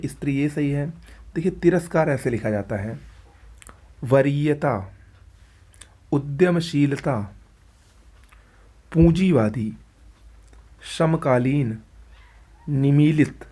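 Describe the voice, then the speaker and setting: A man teaching an exam-prep spelling lesson, briskly going through words and pointing at what is written on screen. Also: fairly high pitch, dark tone.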